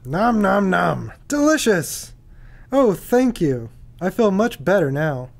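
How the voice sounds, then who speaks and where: A woman's voice: mid-range voice, sing-song, vocal fry, voice pushed down, full character voice. A woman voicing a hungry, mopey raccoon in a children's puppet show, with exaggerated delivery. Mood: delighted. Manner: exaggerated, drawn-out.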